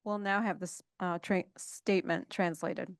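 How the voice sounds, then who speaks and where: A woman's voice: fairly low pitch, steady tone, a little slow, smooth, no echo, studio quality. A woman moderating a public meeting with procedural announcements. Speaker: meeting moderator calling speakers.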